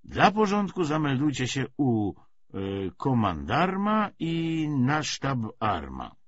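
A man voicing a self-assured, commanding political commissar who lectures emphatically and deliberately in an audiobook. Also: mid-range voice, huge pitch swings, dry recording, lo-fi sound, heavily acted. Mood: brisk, official. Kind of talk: audiobook character dialogue.

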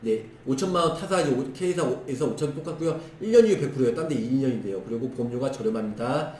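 A hoarse man in his thirties runs through insurance coverage in brisk, clipped phrases. He sits back from the mic in an echoey room. A faint hiss stays under his voice. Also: mid-range voice, lively intonation, darkish tone, distant mic. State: hoarse, strained throat. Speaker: insurance product explainer. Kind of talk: screen-share product walkthrough. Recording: roomy echo, voice off-mic with faint noise.

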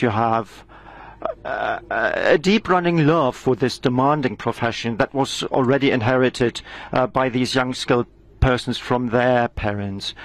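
A man's voice: mid-range voice, dry recording. A male interpreter renders a speech into English live, hesitating with frequent fillers.

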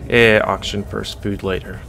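A man's voice: on the low side, little pitch movement, a little slow, vocal fry, noisy background. An American man giving casual, rambling let's play commentary with wry asides. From United States. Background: video game music.

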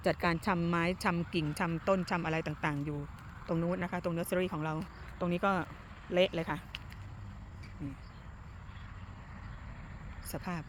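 Middle-aged woman, chatty garden vlog host, talks straight to viewers, outdoor phone recording with faint noise. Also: on the low side. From Thailand. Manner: chatty, addresses viewers directly and asks them questions. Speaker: garden vlogger. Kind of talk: casual garden walk-through vlog.

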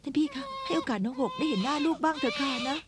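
A woman voicing a gentle first wife who soothes and pleads with her husband, in a dubbed period drama. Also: high voice, racing, noisy background, lightly acted. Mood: pleading.

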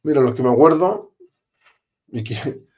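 A man with a Chilean accent tells a story as an interview guest, in a middle-pitched voice. He talks emphatically, repeats his phrases and uses casual slang. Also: lively intonation, a little slow, darkish tone, breathy edge. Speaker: interview guest, former police officer.

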